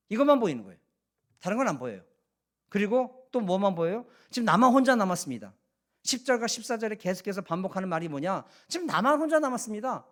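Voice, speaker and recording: A man preaching a sermon as pastor in a church, asking the congregation rhetorical questions and pressing his points with emphasis. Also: sits high. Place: church sanctuary.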